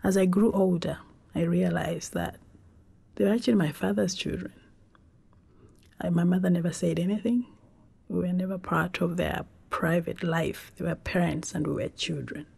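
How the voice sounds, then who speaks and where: A Zambian woman whose first language is Tonga, telling her life story in a reflective, unhurried way with pauses and restarts. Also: lowish voice, creaky, mellow, breathy edge. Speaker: documentary interviewee.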